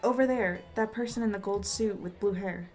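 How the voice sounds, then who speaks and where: Audio drama lead: woman as awkward female newspaper editor, medium pitch, halting and flustered, faint music bed. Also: darkish tone, natural voice. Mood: curious. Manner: hesitant, flustered, stammering. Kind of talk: fiction podcast acting.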